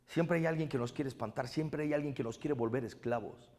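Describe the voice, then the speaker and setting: A man giving a lively storytelling sermon, often questioning his audience. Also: mid-range voice, a little fast. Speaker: parish speaker. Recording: long reverb of a big hall.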